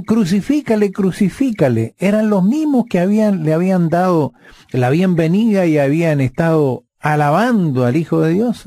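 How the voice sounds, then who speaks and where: A man's voice: on the high side, warm tone, dry recording. A man in a conversational Bible lesson who reads scripture passages aloud and explains them. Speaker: Bible study guest teacher.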